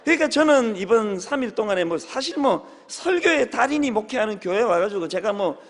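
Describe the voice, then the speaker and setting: A male pastor preaching a sermon, telling humorous stories with sudden shouted exclamations. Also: high-pitched, lively intonation, brisk. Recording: long hall reverb.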